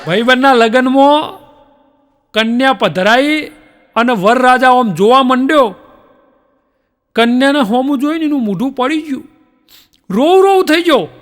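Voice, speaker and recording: A man doing stand-up, telling jokes and acting out the characters' lines in a lively way. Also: very high-pitched, a little slow, long pauses. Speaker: stand-up comedian. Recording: long hall reverb.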